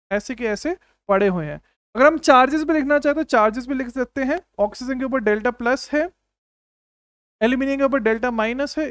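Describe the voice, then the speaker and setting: A chemistry teacher with a high, bright, clear and resonant voice delivers an energetic exam-coaching lecture. He fires rhetorical questions at students and repeats short commands like "don't write, understand." The recording is dry and close, with no room sound.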